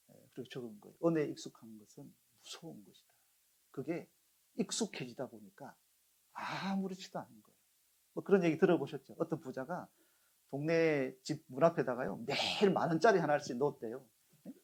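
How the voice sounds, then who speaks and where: A man's voice: on the high side, animated, fairly quick, darkish tone, slightly rough. A middle-aged man preaching a sermon as a pastor, telling stories and putting questions to the congregation. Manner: storytelling with acted quotes, asks the congregation questions.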